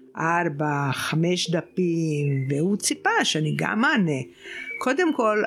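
A woman with a Portuguese accent speaks very slowly at a fairly low pitch over noticeable background noise. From Brazil, Rio de Janeiro. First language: Portuguese (speaking Hebrew). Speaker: interviewee telling her life story. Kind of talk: personal storytelling interview.

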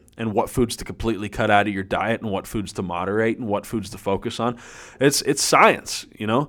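With an ordinary speaking voice, a man talks at a fairly quick pace, his pitch fairly low and his intonation fairly even. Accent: American. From Erie, Pennsylvania. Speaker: podcast host, financial services professional. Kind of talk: solo motivational monologue. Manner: casual, with fillers and repetitions.

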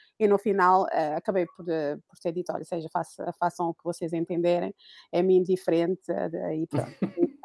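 A woman at a moderate pace, fairly low in pitch, with fairly even intonation, big swings in loudness and a dry, close sound with no echo. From Angola, Luanda. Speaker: politician, party founder. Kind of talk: interview.

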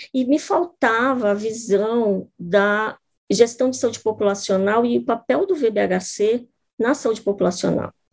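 A woman speaks in a plain, everyday voice, pitched fairly high. Her pace is fairly slow, with ordinary pitch variation. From Brazil, Belém do Pará. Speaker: cardiologist. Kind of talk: interview.

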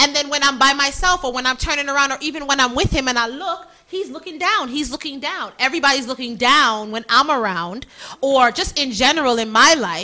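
With lively intonation, a woman speaks in a raised, projected voice at a high pitch. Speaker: fashion website founder. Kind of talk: casual interview.

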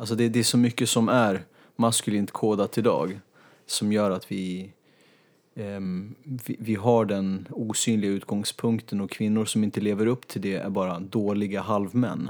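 A man with a fairly low pitch talks at a moderate pace with fairly even intonation. The recording is very clean, with a silent background. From Sweden, Kurdish parents. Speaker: podcast guest. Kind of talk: casual interview.

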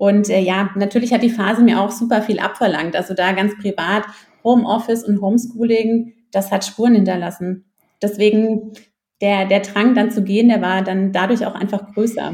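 Her voice is somewhat breathy and medium in pitch, with monotone, flat intonation. The woman keeps a moderate pace. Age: 30s. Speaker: startup founder from HR. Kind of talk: interview.

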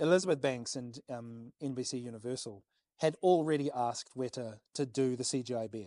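Dark and mellow in tone, a man's medium-pitched voice comes through with a New Zealand accent. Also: ordinary pitch variation, moderate pace. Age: 40s. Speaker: actor and stuntman. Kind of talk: interview. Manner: frequent laughter.

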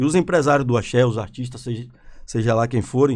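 A man speaks at a moderate pace with ordinary pitch variation, in an ordinary speaking voice. The recording is very clean, with a silent background. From Bahia, Ilhéus. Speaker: entertainment entrepreneur and radio communicator. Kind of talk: casual interview chat.

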